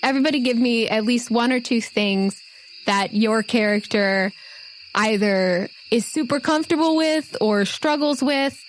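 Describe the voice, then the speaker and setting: Female game master, higher voice, unhurried delivery, narrating over faint night-insect ambience. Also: a little hiss or hum, poor audio. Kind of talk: narrating a tabletop role-playing game.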